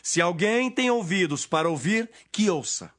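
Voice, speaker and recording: A man playing Jesus as a solemn, authoritative teacher in a dramatized audio Bible, with measured, declamatory delivery. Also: high-pitched, animated, a bit bright. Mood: solemn teaching. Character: Jesus, authoritative male teacher speaking in parables. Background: music.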